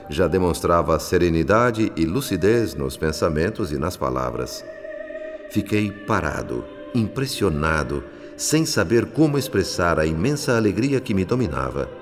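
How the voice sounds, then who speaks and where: Radio drama narrator, a solemn, compassionate male spirit: low voice, Brazilian accent, long reverb. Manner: solemn, literary, measured. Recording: long reverb, loud music behind. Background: music.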